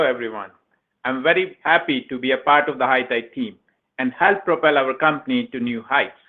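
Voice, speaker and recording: Higher-voiced man on a tinny phone line. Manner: formal, reading prepared remarks. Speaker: finance executive. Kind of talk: scripted earnings call presentation. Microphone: conference call phone line.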